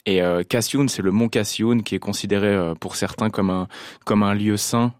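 A man's voice: lowish voice, steady tone, normal speed, a little mellow, no echo, clean studio sound. A French-born man, a jazz musician, answering interview questions thoughtfully with many hesitations. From France.

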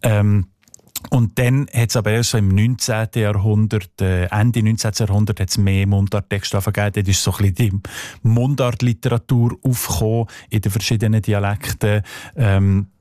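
A man's voice: on the low side, fairly even intonation, normal speed, warm tone, dry recording. A man with a Swiss German accent, a dialect expert explaining thoughtfully in a radio studio interview, with frequent hesitations.

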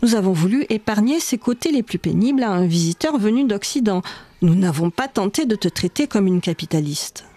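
A guarded, tired school director speaks in a lecturing, patient tone, as a woman reader puts him on. The voice sits fairly high and mellow, close and dry. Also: lively intonation, brisk, no echo. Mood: conciliatory. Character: weary male school director, middle-aged, guarded. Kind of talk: read-aloud memoir dialogue.

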